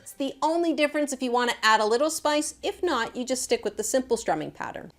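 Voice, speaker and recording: A woman's voice: sits high, expressive, fast. A woman giving a casual, chatty guitar lesson, talking informally and directly to viewers as their teacher. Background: acoustic guitar.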